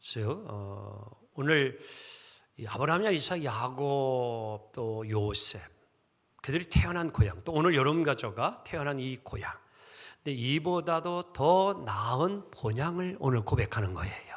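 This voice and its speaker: A man speaks at a medium pitch and a fairly slow pace, with very wide pitch swings. The recording is very clean with a silent background. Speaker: pastor. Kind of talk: sermon. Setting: church. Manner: many hesitation fillers.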